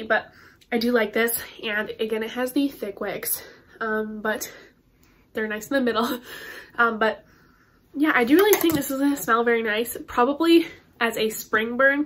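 A woman's voice: fairly high pitch, moderate pace, a bit bright. A teenage girl with a stuffed-up nose reviewing a candle haul to camera in her bedroom, chatty and rambling with lots of ums and likes. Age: teens. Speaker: beauty and candle vlogger. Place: bedroom with Christmas tree and curtains, indoors.

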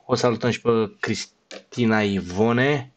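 A man's voice: medium pitch, dull audio. A man streaming live, signing off with a long run of thanks to his viewers and some blunt, crude teasing. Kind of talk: casual live-stream sign-off.

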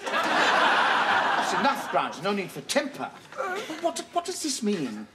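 An actor with a British accent playing a pompous, dismissive country squire. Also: male voice, high-pitched, wildly swooping pitch, slow pace, pushed and bright, a little hiss or hum, exaggerated voice.

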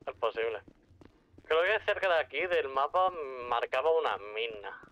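A man's voice: mid-range voice, animated, normal speed, a bit bright, no echo, muffled recording. A man reporting to teammates over a radio in a game roleplay. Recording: band-limited radio line with tones.

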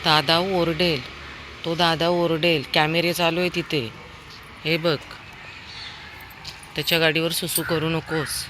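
A woman's voice: low-pitched, little pitch movement, a little slow, pauses often, noisy background. A woman vlogging her dog, chatting away and fondly scolding and coaxing him. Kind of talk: casual pet vlog commentary. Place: outdoors on a walk, later at home.

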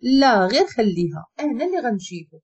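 A woman voicing a sharp, hurt young wife, speaking with a Moroccan accent in a clipped, pleading way. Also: fairly high pitch, big pitch swings, fast, slightly rough, exaggerated voice. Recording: dull lo-fi recording.

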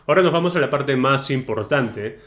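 Talking straight to the viewer, whom he calls tú, a man runs a casual English exam prep video, giving direct advice and peppering his chatty speech with ¿no? and ¿ok?. His mid-range, slightly bright voice moves at a moderate pace with lively intonation, over slight background noise.

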